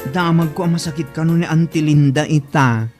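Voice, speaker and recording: A man's voice: on the high side, steady tone, brisk, a little mellow, lightly acted. A man with an Ilocano accent playing a worried son who urges his father, with light music behind him. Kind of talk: scripted drama acting.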